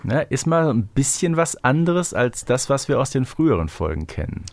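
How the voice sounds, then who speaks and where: Man, medium pitch, wry, casual podcast chat, close dry recording. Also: very animated, moderate pace, gravelly, dry recording. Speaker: podcast co-host.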